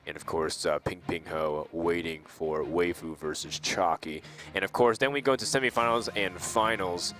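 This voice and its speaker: A man hosting an esports tournament desk, recapping results and putting questions to his co-casters in a lively way. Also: low-pitched, normal speed, soft background music.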